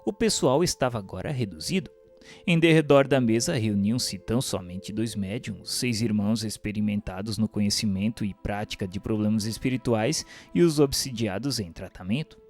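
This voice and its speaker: A man narrating a radio serial in scripted literary first person, with formal, measured delivery. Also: fairly low pitch. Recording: music bed behind the voice.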